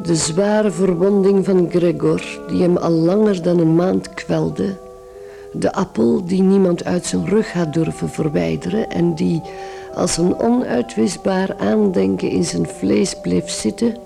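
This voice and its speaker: A male narrator reads a scripted story for a radio drama. His voice is high for a man, very gravelly and mellow, with music behind it. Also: steady tone, unhurried.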